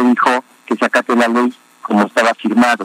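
The speaker is a man at medium pitch. He keeps a moderate pace. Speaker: historian. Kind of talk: radio interview.

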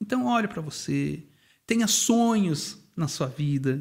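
This is a plain, everyday voice with lively intonation. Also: man. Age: 40s. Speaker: adoptive father of six. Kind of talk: testimony.

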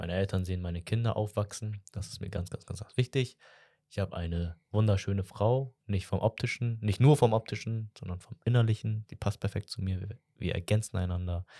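A somewhat breathy voice with a dark, mellow tone and fairly even intonation, moving at a fairly quick pace. Loudness swings widely, and the sound is dry and close with no echo. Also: man, fairly low pitch for a man. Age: 20s. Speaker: podcast co-host. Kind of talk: casual chat.

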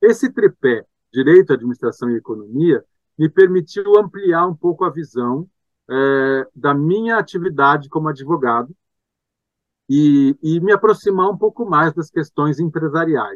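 A man with a fairly high pitch and lively intonation, at a fairly slow pace, in a dry, close sound with no echo. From southern Brazil, Porto Alegre. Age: 50s. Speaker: lawyer. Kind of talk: casual interview.

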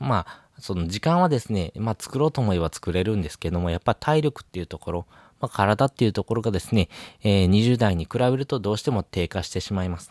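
With an unremarkable speaking voice, a man talks at a fairly quick pace and a fairly low pitch with lively intonation, the sound dry and close with no echo. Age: 30s. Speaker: podcast host. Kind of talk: solo talk podcast. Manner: many filler words.

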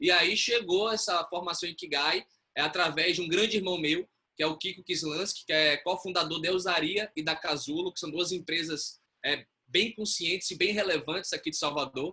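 A high-pitched man with a bright, sharp tone, fairly even intonation and a moderate pace. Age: 20s. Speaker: community leader in self-knowledge education. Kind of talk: interview.

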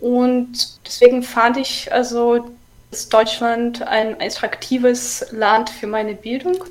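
Against noticeable background noise, a woman with a Ukrainian accent speaks very slowly in a high voice, with ordinary pitch variation and big swings in loudness. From Ukraine. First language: Ukrainian (speaking German). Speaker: immigrant. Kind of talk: interview. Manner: hesitant, many fillers.

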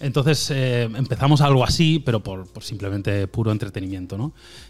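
A man talks in a plain, everyday voice at a medium pitch. His pitch variation is ordinary. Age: 30s. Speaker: tech YouTuber and entrepreneur. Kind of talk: interview.

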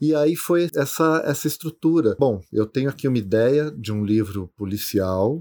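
A man talks in a plain, everyday voice. His pace is fairly slow and his pitch varies in an ordinary way. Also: very clean recording, silent background. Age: 50s. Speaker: novelist. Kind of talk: interview.

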